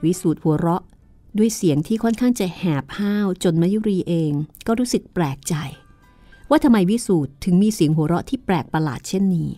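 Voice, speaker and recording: Warm-voiced woman narrating a novel. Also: fairly low pitch. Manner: calm, measured storytelling. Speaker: podcast host reading a novel. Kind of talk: audiobook narration.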